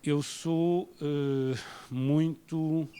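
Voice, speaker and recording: Man, european portuguese accent, university lecturer, warm dark tone, measured self-deprecating delivery. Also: on the high side, fairly even intonation, clear, resonant tone. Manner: measured, self-deprecating, paces around while speaking. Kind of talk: academic lecture. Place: lecture hall.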